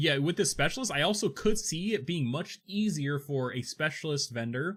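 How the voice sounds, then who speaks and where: A somewhat breathy man with lively intonation on a very clean recording, background silent. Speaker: tech news streamer. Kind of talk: livestream commentary reading a report. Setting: livestream. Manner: fast.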